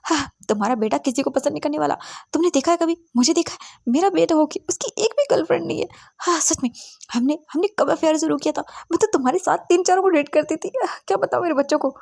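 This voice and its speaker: Give me a bossy, exclaiming middle-aged mother, put on by a woman narrator, high and close to the mic. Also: fast, vocal fry, a little mellow, no echo. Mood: nagging. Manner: nagging, exclaiming, flustered stammer.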